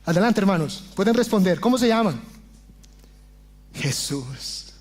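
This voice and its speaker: A man's voice: sits high, expressive, a little slow, darkish tone. A man, a pastor preaching a sermon in a church and often addressing the congregation as brothers.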